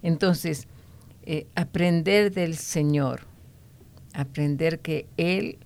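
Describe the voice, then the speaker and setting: A woman giving an unhurried devotional Bible teaching on a Christian program, explaining patiently and checking in with a questioning "no?" after her points. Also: sits low, a little mellow. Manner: unhurried, with frequent hesitation fillers.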